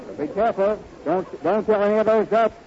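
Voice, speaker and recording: A man as a high-voiced officious game warden. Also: fairly quick, highs cut off, natural voice. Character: officious but easygoing male game warden. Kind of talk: 1930s radio comedy acting. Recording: faintly noisy, band-limited 1930s radio recording.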